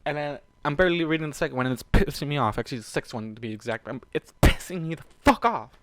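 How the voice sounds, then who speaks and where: Hosting a fan fiction reading, a man keeps interrupting the story with heated, exasperated, sweary commentary and stumbles over words as he reads. His voice runs on the high side, expressive and fast, with no echo in the recording, and his asides are emotional.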